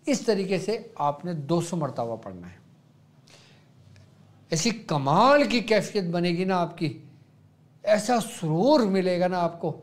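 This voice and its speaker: A man with a Pakistani Urdu accent, a Sufi spiritual guide, patiently explaining devotional practice step by step and softly demonstrating the chants. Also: a little high. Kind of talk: religious instruction.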